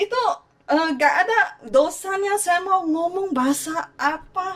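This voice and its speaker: At a very slow pace, a woman speaks. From Malaysia, Chinese-Malaysian family. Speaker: YouTuber. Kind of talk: vlog rant. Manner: halting, frequent self-corrections.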